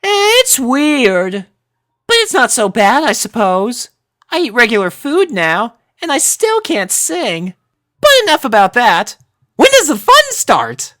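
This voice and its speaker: A woman's voice: a little high, huge pitch swings, takes it slowly, a bit bright, no echo, clean studio sound, voice pushed up, heavily acted. A woman voicing a bubbly, naive teenage girl in a story reading, chirpy and eager. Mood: cheerful.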